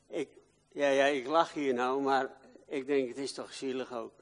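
An older man preaching a sermon in a church, swinging from loud declaiming to quiet, confiding talk. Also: mid-range voice, slow pace, big-room sound.

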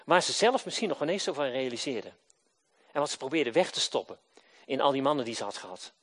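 A man preaching a sermon, swinging between loud emphatic lines and quiet low endings, and asking his listeners questions he answers himself. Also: very animated, a little fast.

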